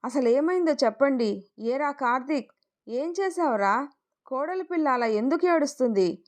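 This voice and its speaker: A woman's voice: on the high side, moderate pace, close to an everyday voice. Woman doing an older motherly mother-in-law, scolding, storybook reading.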